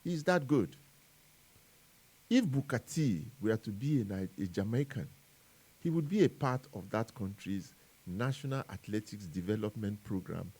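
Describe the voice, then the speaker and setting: A man's voice: mid-range voice, darkish tone. Nigerian man reading a radio editorial, emphatically. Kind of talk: scripted editorial narration.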